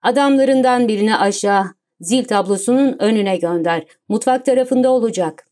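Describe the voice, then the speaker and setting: A woman reading the lines of a suave, commanding gentleman thief in an audiobook, cool and self-assured. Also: a little high, moderate pace, close to an everyday voice. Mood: calm, commanding.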